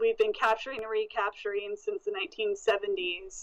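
A woman's bright, sharp voice with an American accent and very wide pitch swings, over a quiet background. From Alaska. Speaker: wildlife researcher. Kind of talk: casual chat. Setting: video call. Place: office. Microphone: video call.

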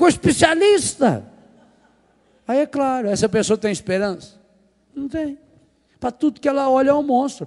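A man speaks in an animated tone with lively intonation at a moderate pace. His speech has long, frequent pauses against a quiet background. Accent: Brazilian. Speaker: preacher. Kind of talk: sermon at a camp. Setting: camp, live audience. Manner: humorous, exaggerating. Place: church. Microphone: handheld.

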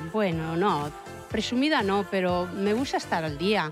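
Clear music plays in the background as a woman speaks in a dry sound with no echo. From León, Spain. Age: 70s. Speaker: veteran discus thrower. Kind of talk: interview answer. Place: stadium. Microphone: handheld.

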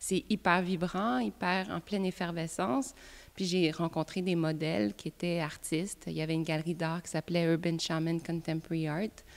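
Speaking at a moderate pace with a fairly low pitch and ordinary pitch variation, a woman uses a normal speaking voice. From Quebec, Outaouais (Gatineau), partly Brittany. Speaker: visual artist and filmmaker. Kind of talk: casual interview. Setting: artist's studio.

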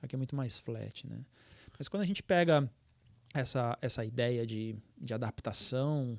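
In a quiet background, a man talks at a fairly slow pace with ordinary pitch variation and long, frequent pauses. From Brazil. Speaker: solar panel business owner. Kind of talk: casual interview chat. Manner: halting. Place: studio. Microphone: studio mic.

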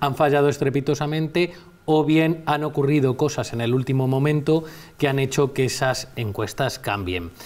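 A man's fairly high-pitched voice with ordinary pitch variation, at a moderate pace. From Spain, Talavera (Castile-La Mancha); Castile-La Mancha, Spain. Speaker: law graduate and media analyst; media analyst. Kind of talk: televised political panel debate. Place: studio. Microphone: lapel.

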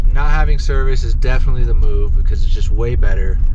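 Loud background noise sits behind a man speaking at a moderate pace. The sound is dry with no echo. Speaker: solo car camper vlogger. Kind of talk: casual vlog chat. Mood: upbeat, slightly stressed, laughing. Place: car. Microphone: phone near.

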